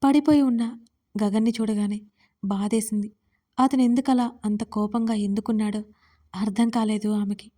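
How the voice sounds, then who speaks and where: A woman narrating a romance story in a calm, steady reading voice. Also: medium pitch, normal speed, long pauses.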